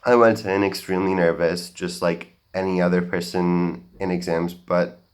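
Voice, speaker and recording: A young man from the Arab world with an American-sounding accent, telling a personal story in a public talk, earnest and halting with many fillers and restarts. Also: low voice, little pitch movement, clean tone. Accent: general American. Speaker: speaker at a talk. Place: auditorium stage.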